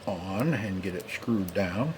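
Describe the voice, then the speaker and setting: A man's voice: low voice, lively intonation, takes it slowly, noisy background. A man narrating a hands-on repair casually, muttering to himself in a folksy way as he works. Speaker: repair video host.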